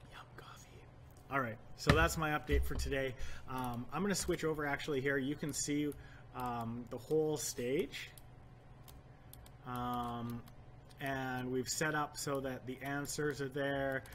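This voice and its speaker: Over light background noise, a man speaks at a fairly slow pace with fairly even intonation and long, frequent pauses. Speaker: game developer. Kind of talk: dev diary video. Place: office.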